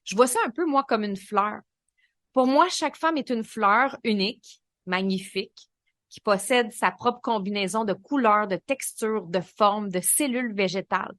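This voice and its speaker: A woman with a Québécois French accent hosting a solo podcast, coaching in a lively, colloquial way. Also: mid-range voice, normal speed, no echo, studio quality. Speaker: podcast host and business coach.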